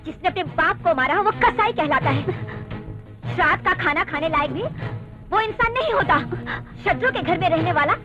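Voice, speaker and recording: A defiant young daughter in a dubbed drama, sharp and accusing. Her voice is very high. The film audio is muffled, with a clear score behind. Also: expressive, normal speed, music in the background. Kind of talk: Hindi film dubbing.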